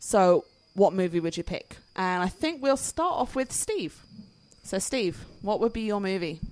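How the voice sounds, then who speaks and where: Speaking at a fairly slow pace and medium pitch with an English accent, a woman uses very wide pitch swings on a very clean recording with a silent background. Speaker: podcast co-host. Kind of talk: casual chat. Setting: at a home barbecue.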